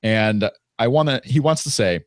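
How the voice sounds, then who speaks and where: A man from Indiana talks loosely as a podcast co-host, rambling and restarting his sentences. His voice sits at a middle pitch and is recorded dry and close, with no room sound. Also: lively intonation, moderate pace, no room sound. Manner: rambling, many fillers and restarts. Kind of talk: casual wrestling chat.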